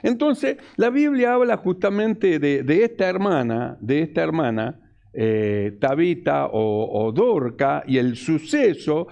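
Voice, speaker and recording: A man's voice: a little high, very animated, slow, gravelly, darkish tone, dull audio. A male pastor, preaching a sermon emphatically and repeating his key phrases.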